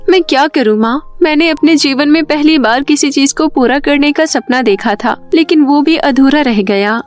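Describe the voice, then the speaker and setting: Woman voicing an emotional, high-pitched young village daughter. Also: normal speed, faint music behind, lightly acted. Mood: anxious, tearful. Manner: plaintive, emotional, exclamatory. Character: distressed young village woman, self-conscious, hopeful daughter. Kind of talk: animated moral storybook dialogue.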